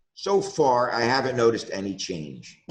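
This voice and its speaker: A man speaks with a Philadelphia accent. His pitch swings very widely. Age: 60s. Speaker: criminal defense lawyer. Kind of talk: interview.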